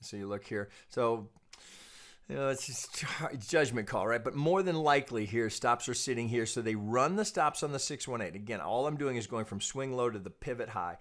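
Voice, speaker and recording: A man giving an informal technical analysis lesson as a trading analyst, explaining in a measured, cautious way with repeated phrases and frequent check-ins. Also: mid-range voice, fairly bright tone. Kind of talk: informal technical analysis commentary over charts.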